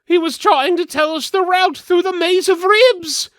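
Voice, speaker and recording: A man voicing an excitable, urgent adventurer twin in a fantasy story, in a shrill manner. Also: measured pace, no echo, clean studio sound. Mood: frantic pleading.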